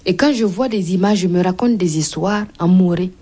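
A woman's voice: fairly low pitch, normal speed, warm tone, slightly rough. A woman from Burkina Faso with a Burkinabé accent, a Mooré speaker, guest author and comedian reading and talking in an interview.

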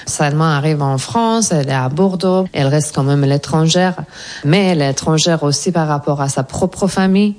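Low-voiced woman, thoughtful guest. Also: moderate pace, darkish tone. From Iran. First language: Persian. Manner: thoughtful, searching for words. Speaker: actress guest. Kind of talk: radio interview answers.

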